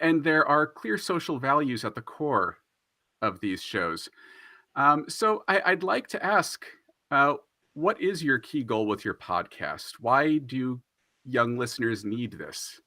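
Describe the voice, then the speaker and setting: A man's voice: mid-range voice, bright, forceful tone, no echo, studio quality. A man moderating a panel discussion, introducing guests and choosing his words carefully with some hesitation.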